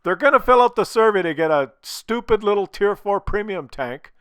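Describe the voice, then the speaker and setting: A man's voice: high voice, animated, moderate pace, fairly bright tone, clean tone, no echo, studio quality. A man talking casually to his viewers, blunt and opinionated, swearing freely, while losing his voice from a cold. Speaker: gaming video creator.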